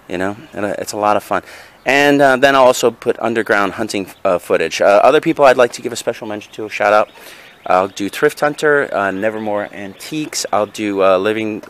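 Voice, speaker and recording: A rambling, self-deprecating man with a somewhat low voice talks through his bargain finds, stumbling over fillers. His camera picks up faint background noise. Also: a bit bright. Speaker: reseller vlogger. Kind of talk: casual show-and-tell. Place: outdoor patio, then in a car.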